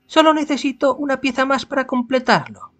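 A man voicing an excitable, eccentric young female inventor from a visual novel. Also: extremely high pitch, brisk, voice pushed up. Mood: excited, secretive. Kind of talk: visual novel character reading.

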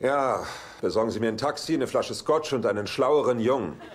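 A man's voice: medium pitch, animated, moderate pace, natural voice. An actor playing a cocky, womanizing bachelor with a glib, sardonic delivery in a German-dubbed sitcom, on a noisy soundtrack. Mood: glib, defensive.

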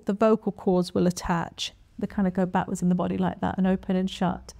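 A middle-aged woman giving an explanatory talk to camera as a specialist, in a measured, plain-spoken and instructive manner. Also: mid-range voice, warm tone. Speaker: voice specialist presenter. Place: small quiet furnished room, indoors. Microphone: lapel mic.

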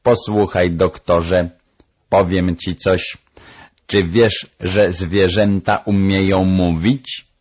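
A shrill, self-assured parrot hen lecturing her master, pitched well above the reader's own deep, slow voice, as a man puts her on. She preaches with pride and insistence in a storybook reading, and the recording sounds dull and lo-fi. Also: level tone, a little mellow. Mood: proud, lecturing. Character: proud lecturing female parrot.

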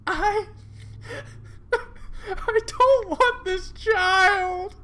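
A woman's voice: very high-pitched, drawn-out words, fairly bright tone, voice pushed up, exaggerated voice. A woman voicing an earnest, anxious young female cartoon rabbit in a dramatic amateur comic reading. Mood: tearful, pleading. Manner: pleading, dramatic.

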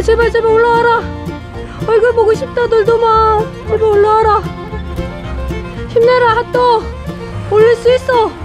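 A middle-aged woman outdoors by the sea, cheering loudly and urgently. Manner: shrill, loud, urgent cheering. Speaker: co-host, wife. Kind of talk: excited cheering. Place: outdoors on a rocky seashore. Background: background music.

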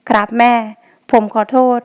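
A woman voicing a heartbroken, remorseful young man, speaking slowly and haltingly in an audiobook reading. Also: darkish tone, close to an everyday voice.

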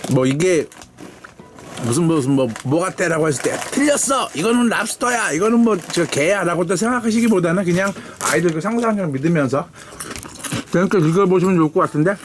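A man with a fairly high voice hosts a casual, unscripted food review. He thinks aloud with drawn-out hesitations, as in an informal chat. There is faint noise behind him. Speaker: host of a snack review video.

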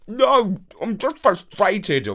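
A woman's voice: medium pitch, big pitch swings, slow pace, pitched above the performer's own voice, full character voice. A woman voicing a plucky, easily frustrated young man in a fairytale, boyish and emphatic.

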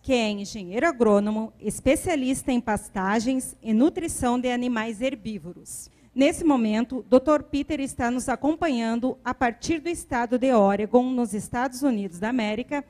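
A woman's voice: on the high side, moderate pace, a little mellow. A woman with a Brazilian accent formally introducing a guest speaker as event presenter.

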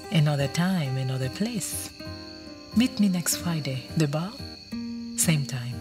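A woman's voice: deep voice, expressive, a little slow. An actress playing an elegant, coy, mysterious seductive vampire woman in an audio drama, speaking in brief formal phrases. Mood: teasing, inviting. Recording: music clearly behind the voice.

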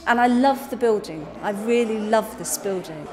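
A woman in her sixties speaking expressively and with lively humour about her church. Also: medium pitch, moderate pace, long reverb tail, a crowd in the background.

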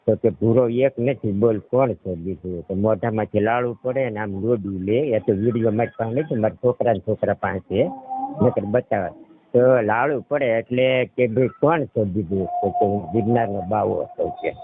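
A middle-aged man calls in by telephone and wanders through a personal account in a Saurashtra Gujarati accent, repeatedly making sure he's being understood. His voice is on the low side at a moderate pace, with background noise on the tinny, narrowband line.

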